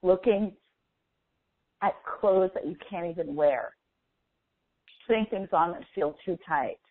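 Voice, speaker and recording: A woman leading a guided meditation as a coach, speaking in a slow, deliberate, instructive manner with long pauses. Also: fairly low pitch, no room sound. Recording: phone-like thin, band-limited audio.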